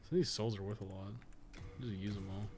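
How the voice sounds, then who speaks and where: A man's voice: fairly low pitch, steady tone, quick pace, a little mellow. A man giving casual live gameplay commentary as a streamer, swearing casually. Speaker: game livestreamer. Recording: clearly noisy background.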